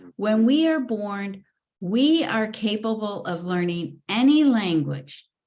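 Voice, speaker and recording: A woman speaks with an American accent and a somewhat breathy voice. Her pitch swings very widely. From Chicago. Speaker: communication and accent coach. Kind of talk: webinar interview.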